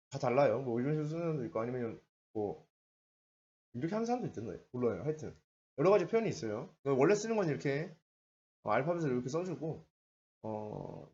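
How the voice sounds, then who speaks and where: Lively chatty male math teacher, lo-fi. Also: medium pitch. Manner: chatty, switches between polite and casual speech. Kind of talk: casual blackboard lecture. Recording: dull lo-fi lecture recording.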